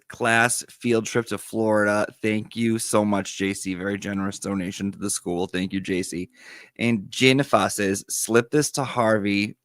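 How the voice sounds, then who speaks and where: A man's voice: fairly low pitch, no room sound, clean studio sound. A man with whistling s sounds, chatting casually as a livestream host and reading out viewer messages.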